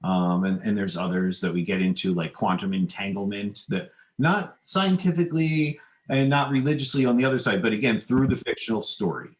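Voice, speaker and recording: A middle-aged man, an author guesting on a podcast, explaining his ideas in a halting, thoughtful, conversational way. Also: fairly low pitch. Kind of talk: conversational interview answers.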